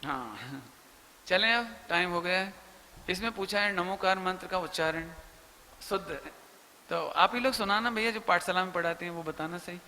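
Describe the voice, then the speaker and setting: A man's voice: high-pitched, moderate pace, pushed and bright, big-room sound, slight background noise. A man giving a religious question-and-answer talk as a Jain preacher, explaining patiently and drawing out chanted syllables. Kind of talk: religious Q&A discourse.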